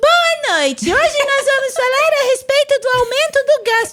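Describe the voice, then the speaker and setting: Through loud background noise comes a put-on character voice, female-sounding and extremely high in pitch. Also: moderate pace. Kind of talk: formal, serious newsreader. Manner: stretched vowels.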